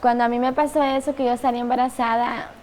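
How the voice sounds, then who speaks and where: A Salvadoran woman in her twenties speaking in an interview, in a quiet, reflective way. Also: on the high side, level tone, fast. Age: 20s.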